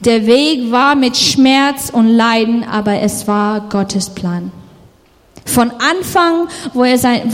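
Slow high-voiced woman preaching in a reverberant hall. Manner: slow, explaining verse by verse and speaking to the listener directly. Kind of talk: sermon.

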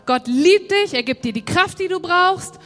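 High-voiced woman preacher in a hall. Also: lively intonation, normal speed, a bit bright. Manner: conversational, addresses the congregation directly. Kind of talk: sermon. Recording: long hall reverb, faint music.

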